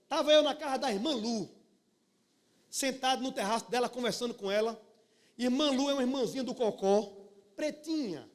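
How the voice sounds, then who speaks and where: A male pastor preaching a live sermon in a church, telling stories and calling out to the congregation in a folksy, animated way. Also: extremely high pitch.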